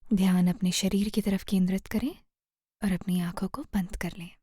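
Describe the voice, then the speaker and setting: A woman narrating a guided meditation in a soothing, gentle manner, often trailing off into a near-whisper. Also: lowish voice, steady tone, moderate pace, husky, dry recording, clean studio sound.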